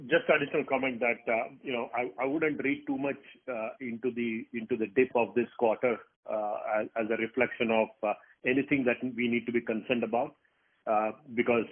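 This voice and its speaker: A man's voice: mid-range voice, husky. A man speaking as a company executive, giving a wordy, unscripted answer with restarted phrases on an earnings call. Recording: tinny phone conference line.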